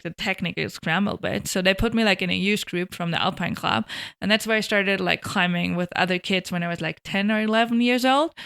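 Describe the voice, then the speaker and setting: Bright, smooth young woman. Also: mid-range voice. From Switzerland and Germany. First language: German. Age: young adult. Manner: lively storyteller, many "like" fillers. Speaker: guest, alpinist and guide. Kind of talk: casual interview chat. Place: hotel room.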